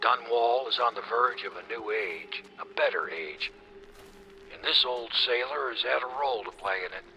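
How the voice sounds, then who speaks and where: A man's voice: medium pitch, moderate pace, pushed and bright, a little hiss or hum, low-quality recording. An actor playing a humble old boatman who speaks earnestly and reflectively. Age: older. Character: humble old male boatman, gentle and proud.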